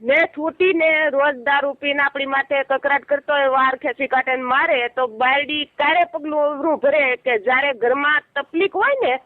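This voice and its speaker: A woman's voice: sits high, moderate pace, hardly any pauses, dry recording. A woman with a Kathiawadi Gujarati accent speaking informally as a caller, plaintive and defending herself. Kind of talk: informal phone conversation. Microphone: phone line. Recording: lo-fi narrow phone call.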